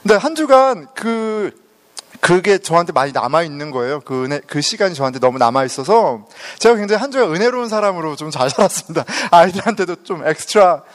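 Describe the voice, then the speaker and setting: A middle-aged man from South Korea tells a personal story to an audience, laughing as he goes. His voice is on the higher side and moves a lot in pitch. It rings with a long reverb, as if recorded in a large hall. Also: a little fast. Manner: animated storytelling, laughing often. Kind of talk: personal testimony.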